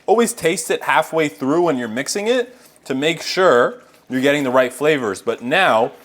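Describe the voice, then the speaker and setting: A man's voice: on the high side, animated, moderate pace, a bit bright. A man giving a casual, chatty cooking demonstration, explaining each step directly to viewers as a home cook. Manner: chatty, instructive, talking to viewers. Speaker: home cook presenting a recipe.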